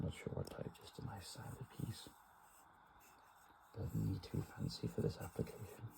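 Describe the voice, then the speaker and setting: A whispered voice in a relaxed tone, broken by long, frequent pauses. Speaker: ASMR content creator. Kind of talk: quiet ASMR learning session, soft-spoken talk to camera. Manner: soft-spoken, slow, relaxed.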